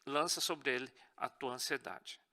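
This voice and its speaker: A man's voice: mid-range voice, fairly even intonation, moderate pace, creaky, pushed and bright. A man with a Brazilian Portuguese accent teaching a church course in an earnest tone, often checking in with his class.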